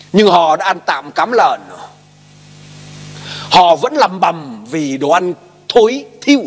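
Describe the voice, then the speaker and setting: A male pastor preaching a sermon emphatically, posing questions and asking the congregation to repeat after him. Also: high-pitched. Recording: long hall reverb.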